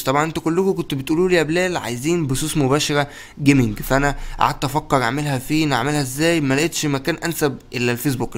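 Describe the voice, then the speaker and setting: A young man with an Egyptian Arabic accent giving excited, exclamatory commentary while hosting his gaming channel. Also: mid-range voice. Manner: energetic, exclamatory, rapid-fire.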